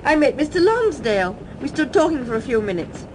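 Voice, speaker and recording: An actress playing an inquisitive, affectionate detective's wife in a radio drama. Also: female voice, high voice, very animated, fairly quick, noisy background. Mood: warm, sleepy.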